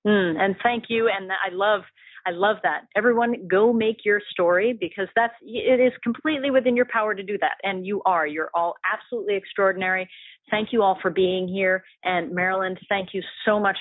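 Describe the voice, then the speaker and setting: A woman's voice: medium pitch, steady tone, fairly quick, dry recording. Casting: female interview host, effusive and encouraging, thin telephone-band sound, very dry. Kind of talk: conversational online interview. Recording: phone-like, narrow-band dry call audio.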